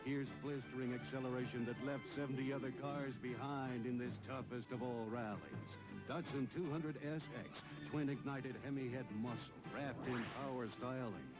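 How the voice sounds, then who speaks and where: A man with a medium-pitched voice announces a vintage car commercial. His read is punchy and scripted, set over loud music. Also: low-quality recording.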